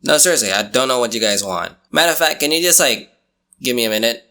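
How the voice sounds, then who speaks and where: A man's voice: medium pitch, lively intonation, fast talker, pushed and bright, soft background music. A man delivering comedic scripted commentary as a video reviewer, with an exaggerated, sarcastic, mock-exasperated manner. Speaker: manga review YouTuber.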